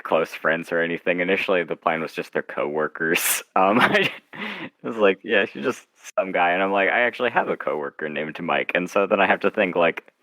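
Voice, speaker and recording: A man's voice: deep voice, a bit bright, dry recording, poor audio. A man interviewed as a writer, chatting casually and explaining things in a wry, self-interrupting way.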